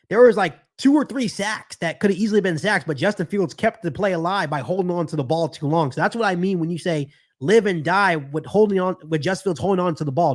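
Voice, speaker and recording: A man with an American accent hosting a live football stream, giving conversational play-by-play and fan reaction, often repeating his phrases. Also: high-pitched. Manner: repeats phrases, conversational, talks back to chat. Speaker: sports podcast host doing live play-by-play.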